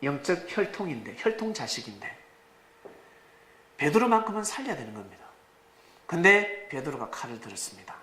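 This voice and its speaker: A male pastor preaching a sermon with dramatic rises, sudden shouts and rhetorical questions to the congregation. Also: fairly high pitch, sing-song, fairly quick, long pauses. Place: church sanctuary. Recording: echoey church room, faint ambience.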